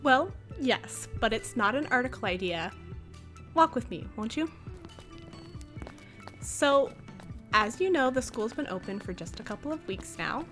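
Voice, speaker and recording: A woman's voice: a little high, expressive, a little slow, pauses often, a bit bright, soft background music. A woman playing a gracious, encouraging school leader in an audio drama, speaking politely and rather formally.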